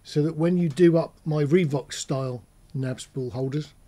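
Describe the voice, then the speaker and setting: A man's voice: fairly high pitch, normal speed, dark tone. A man giving a casual explainer as a presenter, talking in a matter-of-fact, conversational way, step by step. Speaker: presenter of an audio gear channel.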